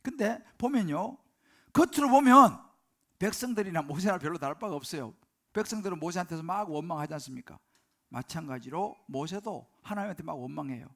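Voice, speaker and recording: A man preaching a Sunday sermon from a church pulpit, his voice high and edged with fry. He presses the congregation with rhetorical questions and emphatic turns. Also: animated, fairly quick, sharp tone. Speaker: senior pastor. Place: church sanctuary during service.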